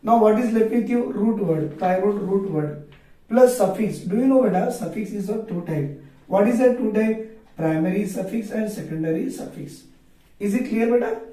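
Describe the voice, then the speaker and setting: A man's voice: high-pitched, moderate pace, mellow. A man with a South Asian accent teaching an online chemistry lesson, asking his own questions, repeating points and spelling terms out. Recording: echoey room, far from mic.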